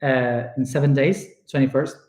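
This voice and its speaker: A young man with an Argentine accent and Spanish as his first language, talking to his viewers in a casual personal monologue and often pausing to search for words. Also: mid-range voice, fairly even intonation, a little mellow. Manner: searching for words, many fillers and restarts. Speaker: spiritual speaker. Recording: echoey room.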